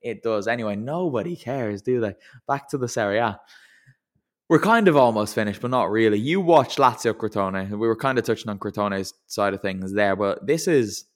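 Rambling man, low voice. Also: expressive, normal speed. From English-speaking country. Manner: rambling, self-deprecating, thinks aloud. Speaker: podcast host. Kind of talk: casual football podcast chat. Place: lives in Italy.

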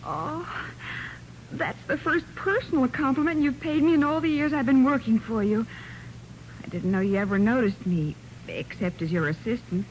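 An actress playing a perky, expressive American secretary to a detective in a 1940s radio drama. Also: female voice, on the high side, moderate pace, natural voice. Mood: flattered, coy. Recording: noisy 1940s radio recording.

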